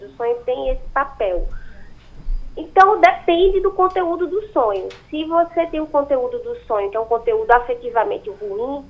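Phone-in expert, woman over a landline phone, high voice, muffled line, explanatory with fillers. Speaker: neurologist guest on phone. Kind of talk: radio interview answers.

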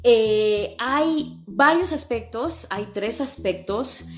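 Brief: Mexican woman, English coach, fairly high voice, blunt and profane, fires off rhetorical questions, faint music underneath. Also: lively intonation, very slow, fairly bright tone. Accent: Mexican Spanish. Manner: blunt, slangy, swears freely, piles up rhetorical questions. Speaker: English teacher and podcaster. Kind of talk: opinionated casual monologue.

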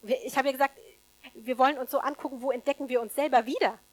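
A woman preaching a sermon to a congregation, emphatic, swinging between loud stresses and hushed asides, with rhetorical questions to the listeners. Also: high-pitched, fairly even intonation, fast talker, no echo, low-quality recording.

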